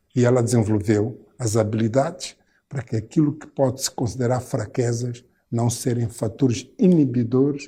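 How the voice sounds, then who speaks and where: A man with a medium pitch and a dark, mellow, somewhat breathy tone talks at a moderate pace with ordinary pitch variation. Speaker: podcast host. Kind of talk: interview podcast commentary.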